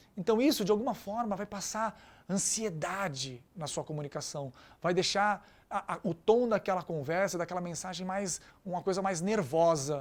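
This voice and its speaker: In a very clean recording with a silent background, a man speaks at a moderate pace in an animated tone, high pitched, with ordinary pitch variation. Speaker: content marketing coach. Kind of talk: tutorial.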